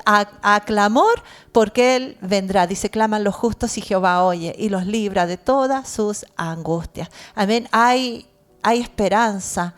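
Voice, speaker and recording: A middle-aged woman with a Chilean accent preaching a sermon as pastor, earnest and animated, often adding amen and cierto. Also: medium pitch, unhurried. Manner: animated storytelling, shouting out imitations.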